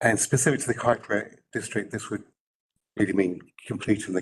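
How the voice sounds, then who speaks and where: A man's fairly low voice with a New Zealand accent, at a moderate pace and with fairly even intonation. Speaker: submitter at council hearing, cycling enterprise owner. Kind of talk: public submission presentation. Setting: council chamber hearing. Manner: soft-spoken. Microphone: too quiet at times.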